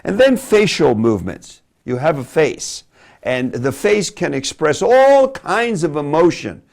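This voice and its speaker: A man giving a teaching lecture on preaching delivery, animated and demonstrative, dropping from loud emphasis to hushed asides. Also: a little high, a little slow, gravelly. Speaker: Bible teacher.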